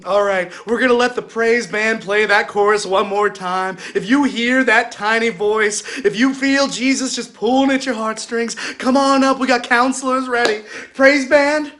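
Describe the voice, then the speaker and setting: Man playing a desperate, high-pitched youth pastor. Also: steady tone, bright, forceful tone, a little hiss or hum. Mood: pleading. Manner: pleading, halting, increasingly exasperated. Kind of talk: comic sermon parody.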